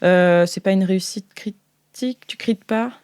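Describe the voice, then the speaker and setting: Female game master, mid-range voice, improvised roleplay narration, halting delivery that searches for words, very dry close sound. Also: medium pitch, darkish tone, clean tone, no room sound.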